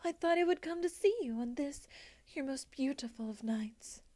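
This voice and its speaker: A woman voicing a wistful, regal winged pony princess in a storybook, speaking formally, softly and solemnly. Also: high-pitched, animated, normal speed, pitched above the performer's own voice. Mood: tender, apologetic. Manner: formal, soft-spoken, solemn. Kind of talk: storybook character acting.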